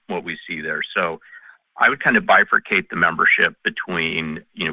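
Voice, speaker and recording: A man answering as a company executive on an earnings call, speaking in a measured, hesitant corporate way. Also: sits low, no room sound. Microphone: conference call line. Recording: dull, band-limited conference call audio.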